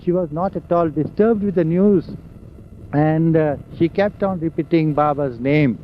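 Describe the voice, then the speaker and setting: An older man, slowly recalling old memories in an oral history interview, with a loud voice. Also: a little high. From India. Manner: slow, halting storytelling of memories. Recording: dull lo-fi recording with faint hiss and vehicle sounds.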